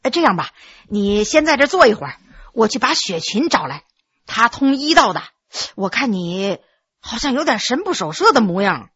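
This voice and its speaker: A woman voicing a clever young male scholar who speaks in a lowered, earnest voice. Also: sing-song, normal speed, fairly bright tone, husky, no echo, lo-fi sound, heavily acted. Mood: coaxing.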